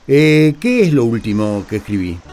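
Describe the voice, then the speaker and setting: Radio drama apostle: Argentine, tender, weary craftsman, very animated intonation, unhurried, faint music behind. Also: mid-range voice, gravelly. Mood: easygoing. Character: Paul the apostle, weary, tender male tapestry weaver.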